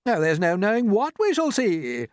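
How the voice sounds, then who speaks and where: A woman voicing a loud, bossy, boastful male centipede in a storybook reading, shouting and bragging. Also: medium pitch, wildly swooping pitch, normal speed, no echo, clean studio sound, pitched above the performer's own voice.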